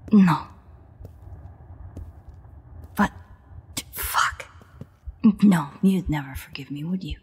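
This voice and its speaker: A woman playing a frantic, foul-mouthed female vampire in an audio roleplay, speaking haltingly and often dropping into breathy half-whispers. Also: deep voice. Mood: desperate, conflicted. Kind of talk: audio roleplay, intimate dramatic monologue. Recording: echoey reverberant sound, storm noise behind.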